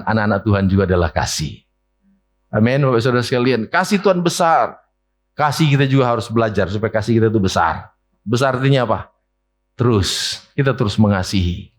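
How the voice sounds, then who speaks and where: A man, preaching a sermon in a church, often asking the congregation questions and mimicking complaints in a higher voice. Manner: mimics whiny complaints in a high voice. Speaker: pastor. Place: church hall.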